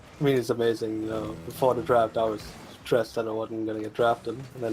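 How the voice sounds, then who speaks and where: Speech comes at a very fast pace with fairly even intonation and big swings in loudness. Noticeable background noise is present. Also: man, medium pitch for a man. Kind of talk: casual, interview.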